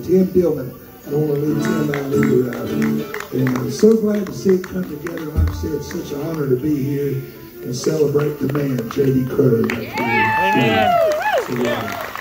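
Clear music plays in the background. The room echo is audible. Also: moderate pace. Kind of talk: stage banter. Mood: warm, grateful. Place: stage. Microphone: pa.

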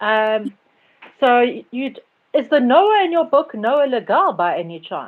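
A woman speaks at a high pitch with very wide pitch swings. She goes fairly slowly, with long, frequent pauses. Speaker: karate instructor and podcast host. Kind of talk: casual interview chat. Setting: live stream video call. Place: home room. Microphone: earbuds.

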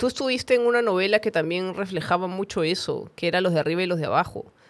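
A woman with an unremarkable speaking voice talks at medium pitch with lively intonation. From Peru. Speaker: podcast host and comedian; podcast host, comedian. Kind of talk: casual interview. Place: studio. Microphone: studio mic.

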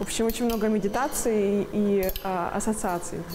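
A woman speaks with fairly even intonation and a moderate pace while noticeable background noise runs behind her. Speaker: exhibition guide or curator. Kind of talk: guided tour. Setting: art exhibition hall. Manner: hesitant, many filler sounds. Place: hall. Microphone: lapel.

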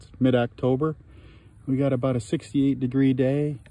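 Recorded dry with no echo, a man talks at a moderate pace with fairly even intonation. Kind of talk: casual vlog chat. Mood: relaxed, easygoing. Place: waterside. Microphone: phone near.

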